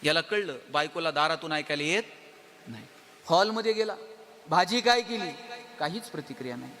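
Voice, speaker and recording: A man giving an animated motivational stage speech, telling humorous stories and speaking straight to the audience. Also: on the high side, fairly quick. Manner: animated, addresses the audience directly. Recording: long hall reverb with faint music.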